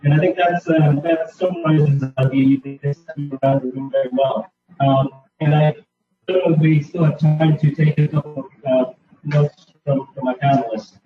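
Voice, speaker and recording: A man summing up a conference session as panel moderator, halting and often repeating his words. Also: on the high side, fairly even intonation, over music. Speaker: panel moderator reporting a discussion. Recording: distant, echoey, muffled conference feed.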